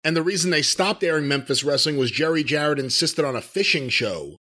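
A man's voice: a little high, animated, fairly quick, pushed and bright. A man co-hosting a wrestling podcast, factual and reading details from his notes. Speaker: podcast co-host. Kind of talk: casual wrestling podcast chat.

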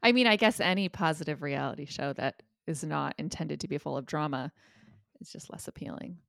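A woman's voice: low-pitched, brisk, vocal fry, a bit bright, dry recording, clean studio sound. A woman hosting a casual interview who asks short questions and laughs along.

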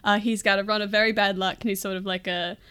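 A woman's voice: mid-range voice, flat delivery, fast, sharp tone, clear, resonant tone. A woman hosting a podcast in casual, comic film discussion, playful and mock-serious, often laughing as she talks. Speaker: podcast host.

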